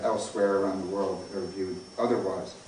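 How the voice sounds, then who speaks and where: There is noticeable background noise and audible room echo as a man talks with a North American accent. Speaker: lecturer on privacy and technology. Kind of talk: lecture.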